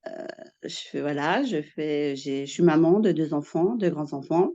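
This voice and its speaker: A woman's voice: sits low, normal speed, mellow, muffled recording. A woman in her fifties, from Portugal, giving a casual testimonial about her coaching. She talks hesitantly, with many restarts, and laughs easily. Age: 50s.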